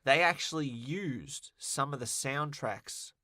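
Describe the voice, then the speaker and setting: Bright-voiced emphatic man, casual podcast. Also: medium pitch, takes it slowly, no echo, clean studio sound. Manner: emphatic, repeats words for effect. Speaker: podcast co-host. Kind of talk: casual podcast chat about film and games.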